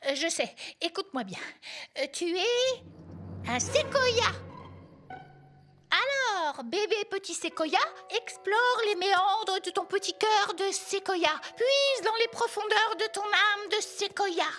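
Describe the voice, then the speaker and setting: Cartoon girl director, piercingly high, forceful, vain, theatrical, faint music. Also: expressive, slow, heavily acted. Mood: earnest directing. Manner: dramatic, grandiose. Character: vain, ambitious, theatrical young female play director. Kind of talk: French-dubbed children's cartoon acting.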